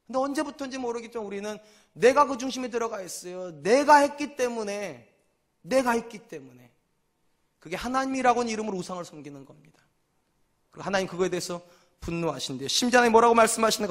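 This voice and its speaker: A man's voice: high voice, animated, fast. A male senior pastor preaching a sermon to his congregation. He asks rhetorical questions and repeats key lines for emphasis. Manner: acts out quoted voices in short dialogues.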